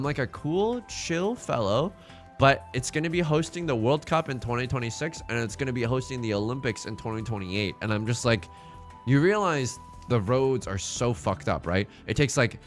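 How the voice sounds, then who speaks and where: Animated, wisecracking streamer guy, worn out. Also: mid-range voice. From born in China, raised in the United States. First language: Mandarin Chinese. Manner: quick, joking and profane, talking to chat. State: exhausted. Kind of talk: casual livestream commentary while playing a game. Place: home streaming setup.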